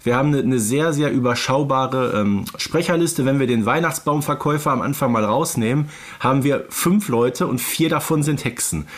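A man's voice: medium pitch, normal speed. A man co-hosting a casual review podcast, conversational and often seeking agreement with short tag questions. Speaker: podcast host. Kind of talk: casual review chat about audio dramas.

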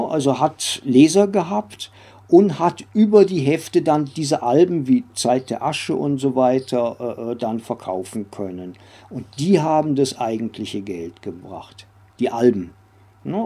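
Husky older man, mellow and halting. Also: mid-range voice. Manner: halting, digressive, with frequent tag questions. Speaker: interview guest, former comics publisher and editor. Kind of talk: conversational interview recollection.

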